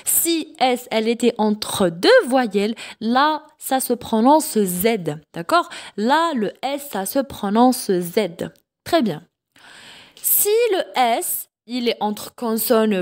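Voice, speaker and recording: A woman teaching French reading, repeating each sound slowly and praising her pupils. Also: a little high. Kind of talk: classroom-style reading lesson.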